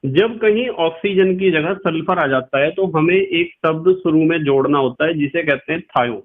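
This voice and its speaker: A male chemistry teacher with a somewhat high voice gives a patient classroom lecture. He calls his students "beta", repeats key terms and spells them out letter by letter. The recording is thin and tinny, like a phone line. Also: moderate pace.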